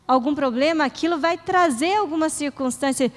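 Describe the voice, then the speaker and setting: A middle-aged woman pastor preaches a sermon in a church hall, her voice high-pitched and her pace moderate. She sounds earnest and conversational, acting out short prayers, and the recording carries the hall's reverberation.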